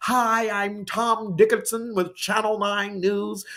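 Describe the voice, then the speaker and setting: A put-on character voice with a female sound comes at medium pitch and a fairly slow pace. Light background noise can be heard. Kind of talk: formal, proper. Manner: precisely enunciated.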